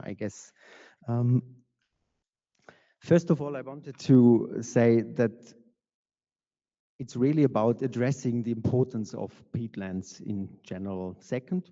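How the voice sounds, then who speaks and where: A man's voice: medium pitch, mellow, highs cut off. Hesitant man in a reverberant hall. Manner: halting, many fillers. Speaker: lecture series organizer and moderator. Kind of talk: hesitant spoken introduction. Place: lecture hall.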